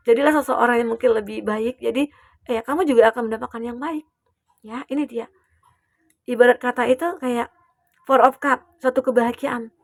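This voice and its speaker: Gravelly-voiced woman giving a tarot reading. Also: fairly high pitch, no room sound, clean studio sound. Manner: gentle, reassuring, with many fillers and tag questions. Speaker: tarot reader.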